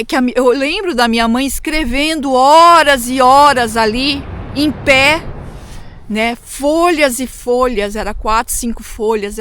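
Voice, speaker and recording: A woman's voice: on the high side, a bit bright, slight background noise. A middle-aged woman from Brazil with a Brazilian Portuguese accent, telling personal stories casually as a vlogger, conversational and often seeking agreement with tag questions.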